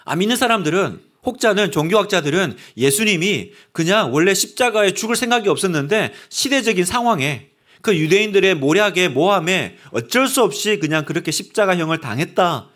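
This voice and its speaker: A man delivers a Sunday sermon from a church pulpit, his voice pitched high for a man. His delivery is animated, with wide swings in pitch as he acts out the voices of the people he quotes. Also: fairly quick. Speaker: pastor. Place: church sanctuary.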